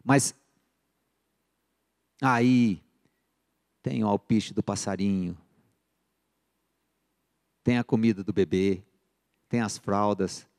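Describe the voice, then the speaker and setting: A man's voice: fairly low pitch, slow pace, pauses often. A middle-aged man with a Brazilian accent teaching a church finance course, telling stories and acting out buyers and sellers in the dialogues. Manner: lively storyteller who acts out buyer and seller dialogues. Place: church sanctuary. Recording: long church reverb.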